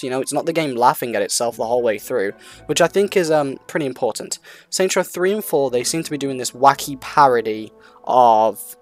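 A man giving unscripted, casual commentary on a video game in a rambling, hesitant way, often repeating himself. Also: medium pitch.

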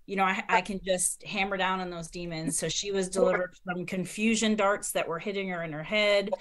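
A middle-aged woman speaks over a laptop video call in a fairly low voice. She recounts her church work in a steady, matter-of-fact way. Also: fairly quick. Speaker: church member and deliverance minister. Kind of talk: casual testimony on a video call. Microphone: laptop webcam video call.

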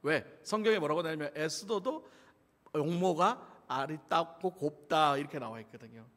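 Joking and laughing through his story, a Gyeongsang-accented pastor delivers a sermon in the church sanctuary under long reverb. His voice is on the high side and fairly bright, at a moderate pace.

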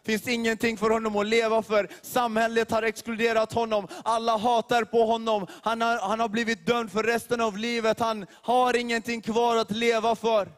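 Preaching to a congregation, this youth leader speaks high but with little pitch movement and hardly any pauses, his voice held in a tight, level range. Rhetorical questions and emphatic repetition drive his message, and a big church hall's long reverb lingers after every line.

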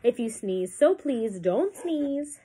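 A woman voicing a plump, heavy hippopotamus in a storybook, pleading in a measured, lowered voice. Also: sing-song, warm tone, slight background noise. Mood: imploring.

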